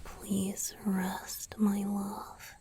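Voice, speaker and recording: A woman voicing a tender, devoted young male vampire boyfriend in a soft, breathy whisper for a romantic ASMR roleplay. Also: mid-range voice, monotone, noisy background. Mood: adoring, dreamy. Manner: slow, gentle, devoted, lingering pauses.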